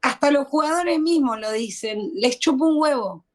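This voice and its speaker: On a casual video call, an Argentine woman with an Argentine Spanish accent chats bluntly and teasingly with a stranger. Her high voice is expressive and moves at normal speed.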